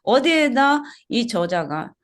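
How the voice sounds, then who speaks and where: Lively woman pastor preaching a sermon. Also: a little high, takes it slowly. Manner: asks the congregation questions and repeats key words. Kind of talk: expository sermon. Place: small church service.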